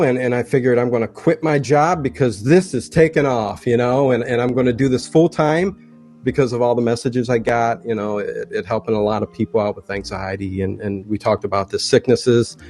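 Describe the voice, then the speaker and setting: A man's voice: mid-range voice, a little mellow. Man chatting casually over music. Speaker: guest, streamer. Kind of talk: casual chat. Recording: music playing behind the voice.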